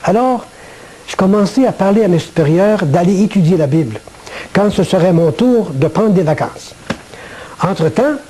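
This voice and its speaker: A man from gives a religious testimony in a measured, formal way, like a prepared monologue. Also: high-pitched, dark tone, slight background noise, low-quality recording. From Quebec, Canada. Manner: measured, formal, literary phrasing.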